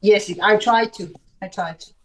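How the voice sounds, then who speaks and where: A woman from Switzerland, a German-speaking teacher, chatting in English and pausing often to find her words. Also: mid-range voice. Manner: hesitant, searching for English words. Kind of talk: casual call-in chat.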